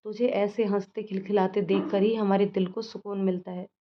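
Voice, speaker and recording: A woman's voice: mid-range voice, little pitch movement, moderate pace, slight background noise, natural voice. A woman doing a fond, joking father. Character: affectionate middle-aged father. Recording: slightly muffled lo-fi recording.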